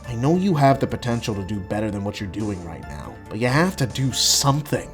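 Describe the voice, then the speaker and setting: A man's voice: on the low side, big pitch swings, fairly quick, voice pushed down. Man acting as tired male schoolteacher, earnest, admonishing, storybook reading, music behind. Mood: earnest concern. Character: weary, concerned male math teacher.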